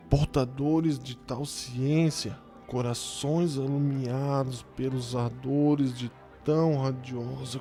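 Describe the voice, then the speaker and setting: An actor in a radio drama playing a bitter, sickly former professor, speaking in a formal, grandiloquent way. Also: male voice, medium pitch, mellow, natural voice. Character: bitter sickly male suicide, eloquent sceptical former dialectics professor. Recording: faint music under the voice.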